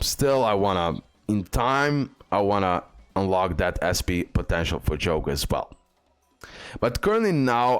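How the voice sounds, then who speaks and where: A man giving casual, excited commentary on a mobile game, reading skill text aloud and sharing his picks. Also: on the low side. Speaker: gaming content creator.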